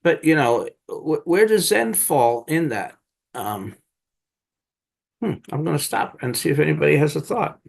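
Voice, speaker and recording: An older man, a Zen teacher, leading a dharma talk and group discussion in a halting, searching way with many restarts. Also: a little high, sing-song, gravelly.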